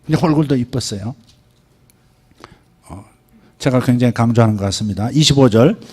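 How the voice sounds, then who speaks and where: A middle-aged man preaching a sermon as pastor, animated, acting out quoted speech in a rising voice. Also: medium pitch, brisk, breathy edge.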